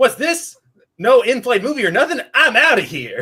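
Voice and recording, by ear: A man in a put-on character voice, extremely high-pitched and nasal, raised and projected, at a moderate pace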